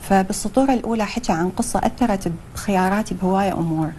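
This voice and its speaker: A young woman with an Iraqi Arabic accent, a guest in a TV studio interview, talking with many pauses and fillers and slipping in English phrases. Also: medium pitch, mellow, slight background noise. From Iraq.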